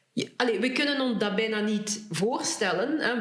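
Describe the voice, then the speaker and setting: Amid noticeable background noise and audible room echo, a woman with a Congolese accent speaks at a fairly high pitch with lively intonation. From Congo, raised in Flanders. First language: Lingala (speaking Dutch). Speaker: historian and author on Congo. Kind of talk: podcast interview.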